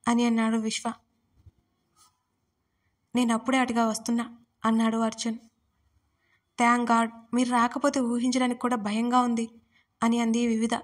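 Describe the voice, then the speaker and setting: A woman's voice: fairly high pitch, monotone, normal speed, pauses often. A woman narrating a story in scripted style, reading out the characters' lines with small shifts in her voice. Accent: Telugu.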